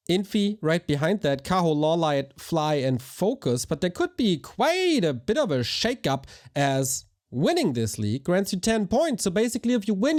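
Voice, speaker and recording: Hoarse, animated male esports caster. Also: high voice. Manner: energetic, chatty, talks to chat. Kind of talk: live game commentary with chat shout-outs.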